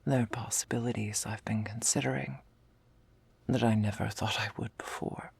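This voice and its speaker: A woman voicing a tough but secretly tender female half-orc commander in a slow, confessional whispered role-play, with a husky, gravelly, breathy voice. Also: rumbling low, fairly even intonation, darkish tone, no room sound, heavily acted. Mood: tender, reflective. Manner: slow confessional delivery, often dropping to a whisper.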